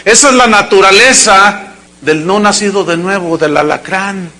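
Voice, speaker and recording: A male pastor delivering a sermon to a congregation, with dramatic acted quotes and sudden shouts. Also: high voice, moderate pace. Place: church service before a congregation.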